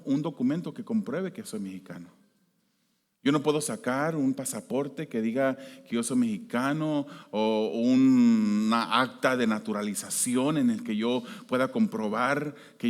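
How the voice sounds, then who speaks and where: A man from the United States preaching a sermon as pastor, shifting between loud emphasis and quiet, hushed prayer. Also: on the high side. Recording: long hall reverb.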